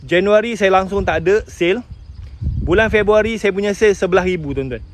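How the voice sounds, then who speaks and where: Speaking briskly in a high-sitting voice, a man with a Malaysian Malay accent recounts his hardships as a sales agent in an emotional, motivational way. He frequently calls out "tuan-tuan" to his listeners and blends in English words, with slight noise in the background.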